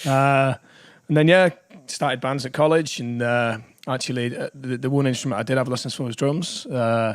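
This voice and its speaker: A man speaks with a strong Yorkshire accent at a moderate pace. His intonation is fairly even, in a very clean recording with a silent background. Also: medium pitch for a man. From Yorkshire, northern England. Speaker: musician. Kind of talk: casual chat.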